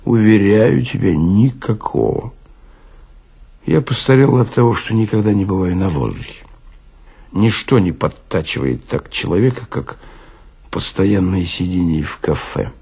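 Gloomy, prematurely aged male café drinker played by a man, radio drama; low, husky, confessional. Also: expressive, unhurried, dark tone, exaggerated voice. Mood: gloomy, insistent. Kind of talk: literary radio play monologue.

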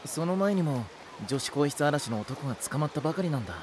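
A man's voice: fairly high pitch, lively intonation, fast, noisy background, close to an everyday voice. An actor playing a serious, protective young man in an anime audio drama. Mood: concerned, calm. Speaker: lifeguard.

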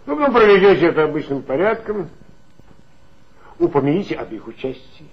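An actor playing an authoritative male police chief in a 1960s radio play, with a smooth, insinuating, lecturing manner. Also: a little high, very animated, fairly quick. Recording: dull lo-fi old radio recording.

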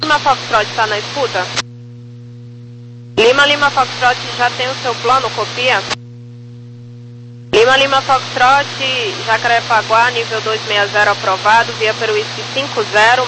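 A woman working as an air traffic controller, heard over a two-way radio and giving clearances in brisk, formal radio phraseology. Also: on the high side, fairly even intonation. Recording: noisy radio transmission with hiss.

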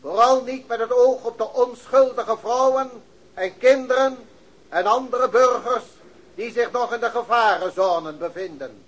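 Pompous police commissioner for radio play, highish rough voice, very official and commanding. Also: male voice, measured pace, low-quality recording. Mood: solemn, commanding. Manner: formal, authoritative, declaiming. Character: pompous, stern male police chief commissioner. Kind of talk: radio drama acting.

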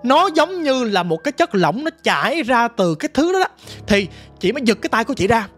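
A woman's voice: a little high, very animated, fairly quick, soft background music. A woman with a Southern Vietnamese accent telling her ghost story in a vivid, dramatic, casual way, talking straight to the listener. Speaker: storyteller guest.

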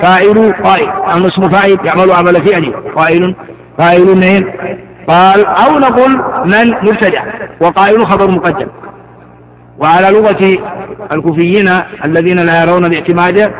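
A man with a fairly high voice teaching a grammar lesson. He poses questions to the room and goes over example phrases again and again. The murmur of a class can be heard around him. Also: fairly quick, a crowd in the background, low-quality recording. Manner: asks students questions and answers them himself, repeats example phrases.

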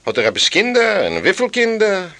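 Inquisitive wealthy gentleman as a male reader puts him on, higher voice, bright tone, quick curious questions. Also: wildly swooping pitch, exaggerated voice.

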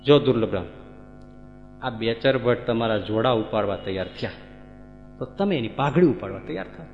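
A man voicing a calm, authoritative spiritual master who counsels his followers, in a sermon story. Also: mid-range voice, moderate pace, pitched below the performer's own voice, lightly acted. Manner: calm, commanding. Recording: echoey hall, dull sound, faint music.

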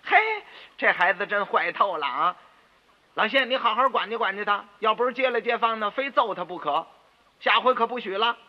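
男说书人扮的气急败坏的豪门管家. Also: male voice, high voice, brisk, pitched above the performer's own voice, lightly acted. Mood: indignant. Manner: loud, blustering, indignant. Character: group of pompous, indignant rich-house stewards. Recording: dull radio recording with long reverb.

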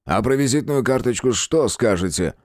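A man voicing a stern, brisk male police official who speaks curtly and with authority. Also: mid-range voice, lively intonation, no echo, studio quality, voice pushed up, lightly acted. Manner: curt, authoritative.

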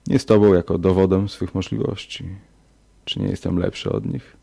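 A man voicing a calm, smug man who gives a demon quiet but firm orders in a horror audiobook. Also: deep voice, moderate pace, creaky, husky, exaggerated voice.

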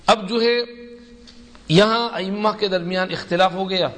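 A man's voice: sits high, fairly bright tone. Man teaching a hadith lesson, reverberant hall. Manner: explanatory, slow and deliberate. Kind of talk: religious lesson.

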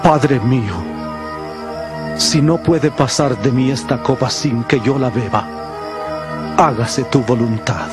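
Man acting solemn calm holy teacher, medium pitch, earnest n measured, bible drama w music behind. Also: lightly acted. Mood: solemn, prayerful.

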